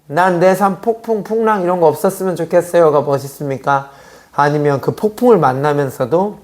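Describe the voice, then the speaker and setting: A man's voice: a little high, darkish tone. Middle-aged male preacher, youth service sermon, chatty tone, keeps asking the room questions. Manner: conversational preaching with rhetorical questions. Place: church sanctuary.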